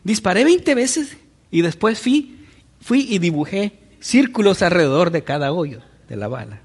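A man's voice: high-pitched, very animated, measured pace, husky, full character voice. A man acting out a young sharpshooter in a sermon story, smug and matter-of-fact. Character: boastful young male sharpshooter on a farm.

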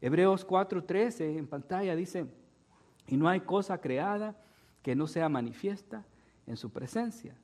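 A man's voice: high voice, lively intonation, measured pace, a little mellow. A male pastor preaching a sermon, retelling a fable and tagging his sentences with "¿no?". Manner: storytelling with frequent "¿no?" tags.

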